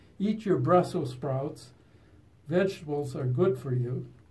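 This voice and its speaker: With an American accent, a man with a fairly high pitch speaks at a moderate pace amid audible room echo. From US Midwest. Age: 80s+. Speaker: retired business executive and author. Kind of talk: interview conversation.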